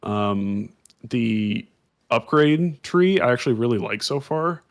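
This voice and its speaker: A man's voice: mid-range voice, expressive, takes it slowly. A man co-hosting a podcast, explaining things casually at length with many "um"s and restarts. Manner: rambling, explanatory, filler-heavy. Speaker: podcast co-host. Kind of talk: casual chat.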